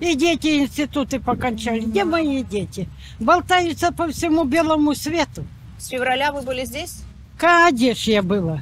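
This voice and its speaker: At a moderate pace, a woman with a high pitch talks with lively intonation and big swings in loudness, the sound dry with no echo and some light background noise. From Mariupol, Ukraine. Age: old. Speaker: local resident, retired factory worker. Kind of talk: street interview. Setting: outdoors on the street. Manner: emotional, bitter. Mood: bitter, grieving. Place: street. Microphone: handheld.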